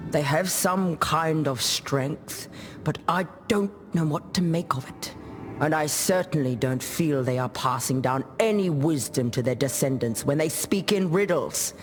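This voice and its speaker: An actress playing a proud, solemn dead female warrior chieftain in a video game, telling tribal lore in a measured, formal way. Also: low-pitched. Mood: wry, puzzled. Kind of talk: video game character monologue, storytelling.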